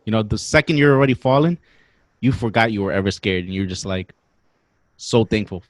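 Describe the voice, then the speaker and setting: A young man in his twenties telling a long story in a slangy, animated way, swearing as he goes. His voice sits a little low, and the recording is dry and close. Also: brisk, dry recording. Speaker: podcast guest. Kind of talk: casual storytelling.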